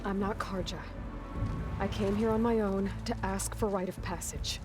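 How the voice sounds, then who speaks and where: An actress playing a determined young tribal hunter, blunt and earnest, in video game dialogue. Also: female voice, mid-range voice, fairly even intonation, normal speed, close to an everyday voice. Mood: firm, urgent. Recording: game audio with music behind.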